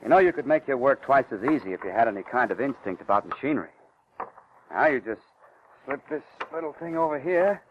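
A man's voice: mid-range voice, animated, a little fast, a little hiss or hum, natural voice. A man playing a fumbling, defensive husband in old-time radio style, strained and exasperated. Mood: smug, insistent. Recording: muffled old radio recording, music.

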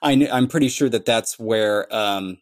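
Man explaining language design, halting. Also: fairly low pitch. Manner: thoughtful, many fillers and restarts. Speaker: conlang creator answering questions. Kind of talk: casual explanatory interview.

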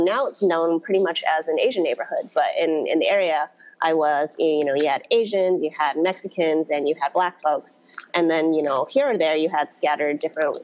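A woman's voice: deep voice, a little mellow, a little hiss or hum, rough recording. A woman guest on a podcast interview, talking in a reflective, storytelling way about her background. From United States. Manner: reflective, storytelling, frequent "you know". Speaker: podcast guest, blues dance organizer. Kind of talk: conversational interview.

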